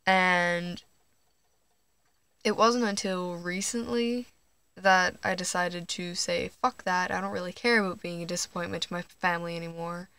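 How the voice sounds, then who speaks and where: This casual personal vlog comes from a teenage trans guy hiding under his bed at night, filming on a phone camera. He speaks quietly and hesitantly with nervous laughs, his high, creaky, clean-toned voice keeping a steady tone at a moderate pace.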